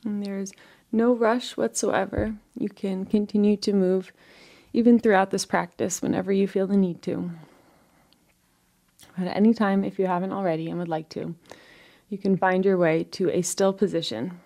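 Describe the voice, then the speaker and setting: A woman leading a guided relaxation, giving soft, unhurried instructions in a gentle, soothing manner with frequent pauses between phrases. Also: mid-range voice, fairly even intonation, creaky.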